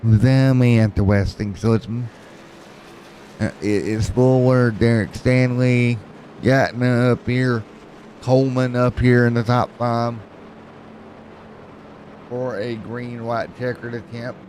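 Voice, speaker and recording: A man's voice: mid-range voice, steady tone, slow pace, long pauses, a little mellow, a little hiss or hum, poor audio. A man calling an esports race, with jokes and rambling play-by-play. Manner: joking, rambling play-by-play with fillers. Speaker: race commentator.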